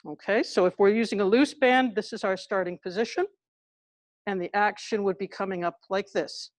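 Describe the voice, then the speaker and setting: A woman leading an exercise class through a face mask, talking calmly step by step as she demonstrates each move. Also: mid-range voice, no echo. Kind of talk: live exercise instruction, demonstrating while explaining. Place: indoors in a hospital building.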